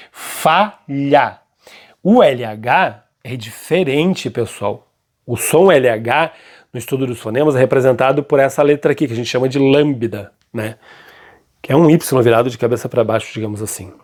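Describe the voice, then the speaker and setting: A man teaching a grammar lesson, keeps checking in with his students and slows down to stress key points. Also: mid-range voice, darkish tone. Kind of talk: classroom-style grammar lesson.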